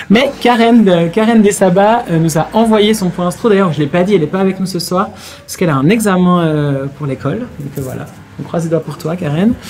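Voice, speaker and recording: Over noticeable background noise, a woman with a fairly low voice talks very fast, with lively intonation. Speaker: podcast host. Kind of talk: casual chat.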